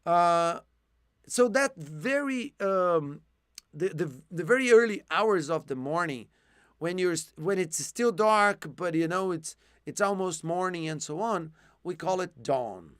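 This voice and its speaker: A male English teacher explaining vocabulary slowly over a video call, with plenty of ums and restarts. His voice sits a little high and sounds dry and close, and he is starting to lose it. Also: expressive, fairly bright tone, clean tone, no room sound. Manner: patient explaining, with frequent fillers and restarts. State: losing his voice. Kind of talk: live online one-to-one English lesson.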